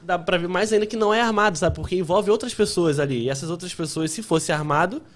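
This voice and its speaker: A man's voice: sits high, fast. A young man with a Carioca accent, chatting casually as a podcast guest, laughing often and using lots of filler words. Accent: Carioca Portuguese. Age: young adult. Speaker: guest, content creator.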